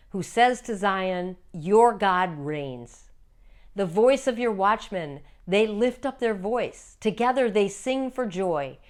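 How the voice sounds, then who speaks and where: A woman reads scripture aloud as a lector at a church service. Her delivery is formal and measured, with declamatory phrasing at a middle pitch.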